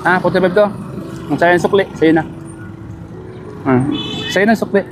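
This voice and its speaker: A man's voice: sits high, normal speed. A man vlogging outdoors on a sunny street, chatting in a kindly, encouraging way and coaxing with short repeated check-in questions. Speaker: vlogger handing out gifts. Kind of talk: casual on-the-street chat. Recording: background music under the voice.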